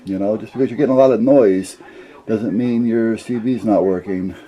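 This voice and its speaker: A man's voice: lowish voice, moderate pace, breathy edge, lo-fi sound. An older man talking casually and off the cuff about his hobby, explaining things in a plain-spoken, rambling, folksy way. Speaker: CB radio hobbyist explaining gear.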